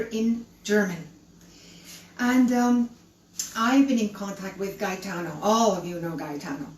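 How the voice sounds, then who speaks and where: A woman's voice: on the high side, a little mellow. A middle-aged woman from Canada and Chile hosting a live cooking stream, chatty and welcoming as she speaks straight to her viewers. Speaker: cooking show host. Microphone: camera held by her son at a distance. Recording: roomy and distant with faint hum.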